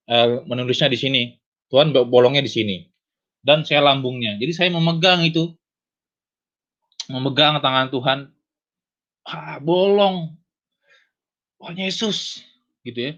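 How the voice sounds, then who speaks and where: A man giving an earnest personal testimony, his voice climbing high and emotional as he relives a moment. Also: a bit bright, lo-fi sound.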